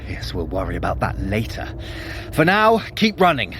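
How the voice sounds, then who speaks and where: A man's voice: on the low side, wildly swooping pitch, moderate pace, a bit bright, long reverb tail, a little hiss or hum. An actor playing a haughty, sly male trickster god in an audio drama, wry and theatrically imperious. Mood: brisk, scheming.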